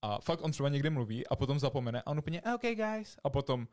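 A young man co-hosting a podcast, chatting casually in slangy, excitable talk. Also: medium pitch. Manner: slangy, excitable, imitates voices in stories. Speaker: podcast co-host. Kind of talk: casual chat.

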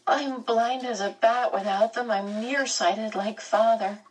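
A woman's voice: on the high side, steady tone, a little slow, slightly rough, far from the mic, voice pushed up. A woman doing a shaky, tearful teenage girl. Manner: shaky, trembling over tears.

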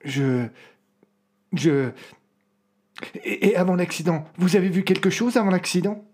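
An actor playing a weary, skeptical amnesiac man in an audio drama, polite and resigned in manner, with a slightly breathy voice. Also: sits high, expressive, unhurried, darkish tone. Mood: astonished.

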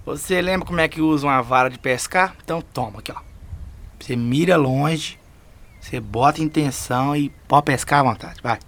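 A man's voice: a little high, normal speed. A man acting in a radio drama as a teasing, patient Brazilian riverman who talks colloquially, like a homespun philosopher. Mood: folksy, wise. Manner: colloquial, playful, animated.

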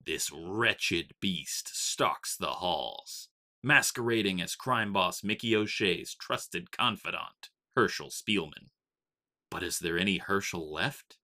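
A man's voice: sits low, expressive, slow pace, sharp tone. A man announcing an episode with scripted, dramatic narration.

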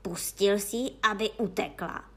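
A woman voicing a stout, strict male judge who thunders and shouts at the accused, in a children's story reading. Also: medium pitch, husky, lightly acted. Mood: hřímavý, rozhněvaný. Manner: hřímá, křičí na obžalovaného. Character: tlustý přísný soudce, hřmotný muž.

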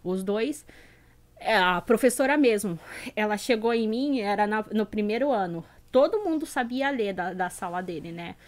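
A woman, a mother, chatting casually on a livestream and telling lively stories about her son with laughter. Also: medium pitch, moderate pace. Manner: animated, laughing storyteller. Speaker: mother of a boy.

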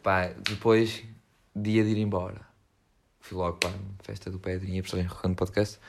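Low-voiced young man, slangy. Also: little pitch movement, fairly quick, background noise. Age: young adult. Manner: slangy, informal. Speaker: podcast co-host. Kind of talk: casual chat.

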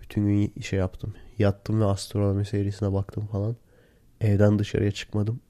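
A man with a hoarse, worn-out voice, sick and tired, chatting casually alone into a close recorder. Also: fairly low pitch, monotone, moderate pace, mellow, no room sound. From Turkey. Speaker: podcast host. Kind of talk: casual solo podcast chat. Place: in bed at home. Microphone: handheld voice recorder, close.

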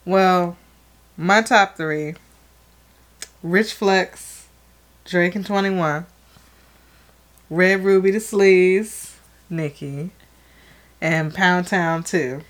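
A young adult woman chatting as a podcast co-host. She speaks very slowly with a somewhat low voice. Her talk is hesitant and full of fillers. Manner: unhurried, hesitant, many fillers. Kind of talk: casual chat.

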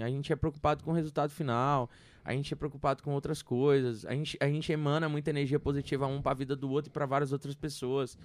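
A man's voice: mid-range voice, darkish tone. A man from Tocantins, Brazil, speaking with a Tocantins accent, a songwriter telling his story in a casual interview in an earnest, rambling way full of fillers. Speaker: songwriter guest.

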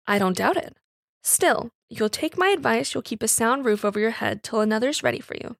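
A woman's voice: fairly high pitch, expressive, brisk, gravelly, no echo, clean studio sound. Woman reading as a genteel, amused master of the house. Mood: reasoning, advising. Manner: formal, reasoning, gently condescending.

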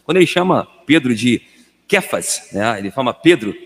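A man's voice: mid-range voice, big pitch swings, moderate pace, a bit bright. Man, Brazilian Portuguese accent, earnest panelist, lingering reverb. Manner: earnest, repeats words as he thinks aloud. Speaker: Bible study panelist. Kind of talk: casual Bible discussion.

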